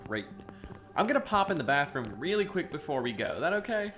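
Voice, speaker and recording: A man's voice: on the high side, big pitch swings, brisk, a bit bright, soft background music. A man playing a friendly, casual local islander in an audio drama, with an accommodating manner.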